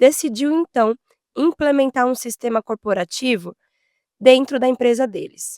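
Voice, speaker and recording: A woman speaks at a high pitch and a fairly slow pace, her tone animated and her pitch variation ordinary. The sound is dry and close, with no echo. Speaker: podcast host and storyteller. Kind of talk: podcast story narration.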